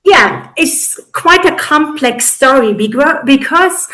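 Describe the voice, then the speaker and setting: A middle-aged woman from eastern Germany with a German accent, giving reflective, halting, explanatory answers as an interview guest. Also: high-pitched, animated, sharp tone, poor audio. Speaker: interview guest, editor and educator.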